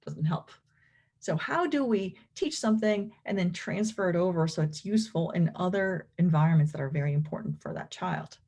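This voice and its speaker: Low, husky woman lecturing. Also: normal speed, darkish tone. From Venezuela. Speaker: clinical professor and behavior analyst presenting research. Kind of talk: explanatory academic lecture.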